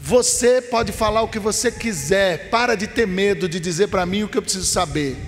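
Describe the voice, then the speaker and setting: A man's voice: high-pitched, normal speed, a little hiss or hum, natural voice. A man quoting a tearful young man who pleads earnestly to be told he is wrong. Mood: pleading. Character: tearful young man, a searching former spiritist. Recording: reverberant hall.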